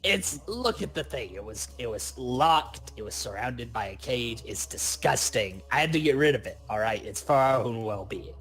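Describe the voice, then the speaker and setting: A man acts out a goblin demolitionist in a tabletop game. He is boastful yet squeamish, forever justifying himself with an indignant air, and his pitch sits in the middle. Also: animated, normal speed, hardly any pauses, a bit bright, faint music behind. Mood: disgusted.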